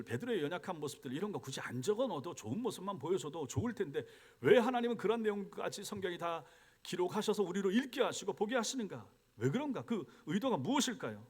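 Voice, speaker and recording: Man preaching, quick pace, higher voice, sermon in a church, dramatizes grumbling prayers. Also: husky. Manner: animated preaching, acts out complaining prayers. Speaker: pastor. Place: church sanctuary.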